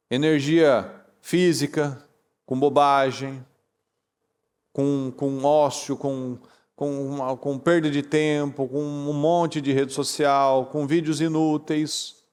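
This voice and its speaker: A Brazilian Portuguese-accented man delivers a sermon in a fairly high voice. He drives his points home through repetition and sudden rises in pitch. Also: takes it slowly, clear, resonant tone. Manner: emphatic, repetitive preaching with lively pitch jumps. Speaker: pastor. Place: church meeting hall.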